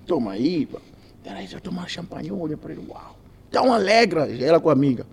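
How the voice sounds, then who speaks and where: A man's voice: on the high side, very animated, brisk, gravelly, husky. A man, a podcast guest, telling a story with lots of energy and acting out the voices of the people in it. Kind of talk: animated storytelling.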